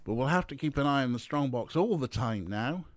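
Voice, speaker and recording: A concerned woman running a lodge, acted out by a man in a storybook reading. The delivery is emphatic with big swings in pitch, recorded dry. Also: lively intonation, brisk, no echo, close to an everyday voice.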